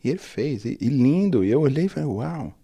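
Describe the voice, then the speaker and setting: A man's voice: medium pitch, big pitch swings, fast, warm tone, breathy edge. A Brazilian man, a pastor, talking reflectively on a Christian talk show and building his points through long lists. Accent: Brazilian Portuguese. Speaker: pastor and guest.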